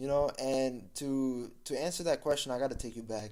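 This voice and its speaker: A dark, mellow tone carries the voice. The pace is fairly brisk. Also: man. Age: 20s. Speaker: podcast guest. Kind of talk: casual chat.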